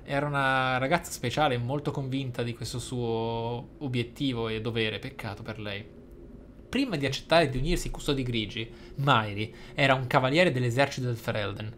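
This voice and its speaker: A man's voice: mid-range voice, fairly quick, fairly bright tone, a little hiss or hum. A man, a gaming host reading in-game text aloud expressively, with casual, playful asides.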